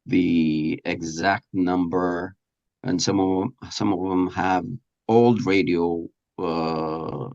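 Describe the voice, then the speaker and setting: A man with a low, creaky voice gives explanatory interview answers. He speaks haltingly, pausing often to find the next word. The audio is dull and lo-fi. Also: steady tone, a little mellow. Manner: halting, searching for words, many pauses. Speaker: radio station presenter and producer being interviewed.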